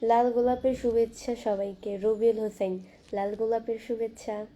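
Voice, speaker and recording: A young woman hosting a casual live stream from her phone, reading viewer comments aloud and chatting back in a soft, quiet voice. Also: a little high, little pitch movement, highs cut off. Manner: soft-spoken, talking quietly and slowly. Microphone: phone camera.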